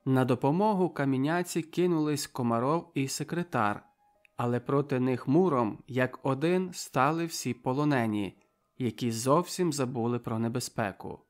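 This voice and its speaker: A man's voice: mid-range voice, moderate pace, soft background music. A man reading a novel aloud as audiobook narrator, in a vivid, dramatic manner.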